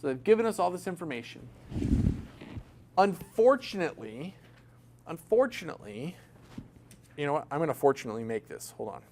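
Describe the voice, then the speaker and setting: A man's voice: mid-range voice, lively intonation, rapid-fire, vocal fry, hardly any pauses, darkish tone, slight background noise. A man teaching an accounting class in a classroom, talking casually, joking and asking his students questions. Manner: chatty, jokey, asks the class questions. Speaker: accounting instructor. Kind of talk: classroom lecture.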